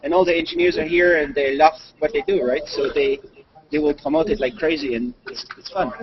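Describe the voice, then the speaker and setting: A high-pitched man chats loosely into a head-mounted mic as he walks, full of fillers and restarts. The stream sounds dull and lo-fi. A loud crowd murmurs behind him. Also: a little fast. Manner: chatty, many fillers and restarts. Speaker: video blogger. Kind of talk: casual live-stream chat. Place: walking through a busy convention and monorail. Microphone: head-mounted display mic.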